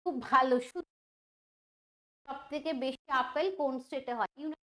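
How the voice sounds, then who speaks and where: A woman's voice: high voice, normal speed, a bit bright. A woman teaching an online quiz lesson, chatty and thinking aloud, often asking the students questions. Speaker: exam prep teacher.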